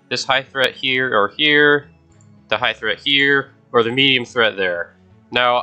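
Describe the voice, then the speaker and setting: A mid-range, pushed and bright voice belongs to a young gaming host with a stuffy, nasal cold. He plays and offers casual commentary, chatting to viewers and easily distracted.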